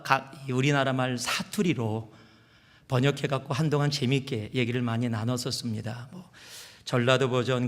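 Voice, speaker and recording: A middle-aged man from Chungcheong preaching a sermon as pastor, swinging from loud exhortation to hushed whispers. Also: mid-range voice. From Chungcheong, South Korea. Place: large church sanctuary. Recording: long church hall reverb.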